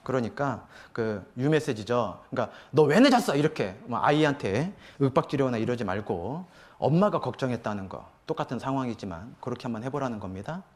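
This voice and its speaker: A man's voice: mid-range voice, expressive, brisk. Korean man teaching a church class. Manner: explains steps, acts out a mother's lines. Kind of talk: Bible class lecture.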